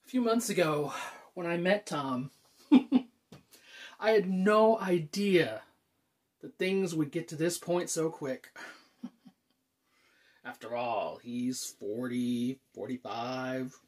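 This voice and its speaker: A man acting out a dramatic monologue as an anxious gay man of thirty who rambles nervously and haltingly to a friend. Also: on the high side, husky. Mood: wistful, uneasy. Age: 30s. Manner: halting, nervous, sighs and stammers.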